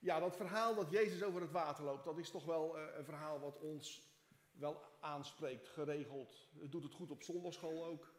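Pastor with a slightly high voice in an echoey hall. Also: male voice, moderate pace. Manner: reads scripture expressively, prays softly with hesitations. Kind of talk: sermon with scripture reading and prayer. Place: church.

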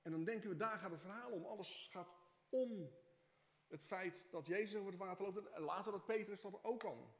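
Pastor with a slightly high voice in an echoey hall. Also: male voice, normal speed. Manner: reads scripture expressively, prays softly with hesitations. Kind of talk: sermon with scripture reading and prayer. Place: church.

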